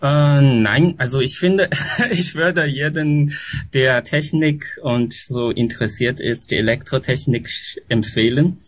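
A middle-aged man from China, a podcast guest talking slowly and hesitantly, with many pauses and restarts. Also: mid-range voice. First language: Chinese. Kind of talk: casual podcast conversation. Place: home near an airport. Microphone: remote call from home.

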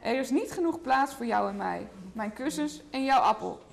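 A woman's voice: a little high, lively intonation, moderate pace, vocal fry, slight background noise, voice pushed down. A woman voicing a lazy male badger lounging on his cushions in a read-aloud storybook. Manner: gentle storybook reading.

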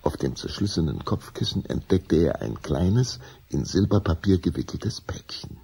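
A man narrating a children's radio play as a measured, solemn storyteller with a raspy voice. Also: low-pitched, lively intonation, warm tone, heavily acted. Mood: measured, eerie. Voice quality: raspy, gravelly.

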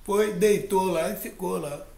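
A man telling a children's fable in a lively, playful way, full of sound effects. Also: sits high, measured pace, creaky. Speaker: storyteller. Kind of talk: oral storytelling for a class. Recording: roomy echo.

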